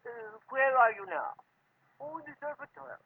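A man's voice: very high-pitched, sing-song, normal speed, full character voice. An actor playing a bloated, oily little schemer who simpers his way through a 1940s radio drama. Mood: unctuous. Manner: simpering, chuckling, hesitant smooth-talking. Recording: muffled, noisy old radio recording.

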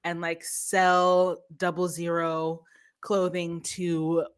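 A woman's voice: on the low side, little pitch movement, very slow, clear, resonant tone. A woman, chatting casually as a podcast guest, laughing often and trailing off mid-sentence. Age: 30s. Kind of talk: casual chat.

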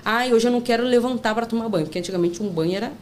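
A woman appears as a guest on a podcast, a content creator chatting casually in a slightly high, rapid-fire voice. She tells stories loaded with fillers, acts out quotes and bursts into laughter. Slight background noise can be heard.

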